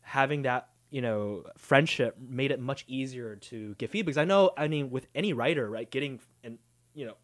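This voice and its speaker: A man in his late twenties joins a podcast as a guest writer and talks about his work. He sounds easygoing and hedges often, leaning on lots of fillers. His pitch sits in the ordinary middle range. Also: normal speed. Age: 20s. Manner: easygoing, filler-heavy, hedging. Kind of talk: casual interview chat.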